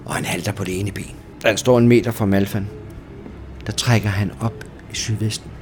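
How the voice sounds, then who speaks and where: A man running a tabletop horror game as game master, describing scenes in a measured, suspenseful way. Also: on the low side, fairly even intonation. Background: background music.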